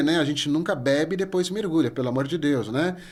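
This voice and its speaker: Fairly even intonation marks this man's voice, pitched fairly high. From São Paulo, Brazil. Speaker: diving instructor and business owner. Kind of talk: podcast interview.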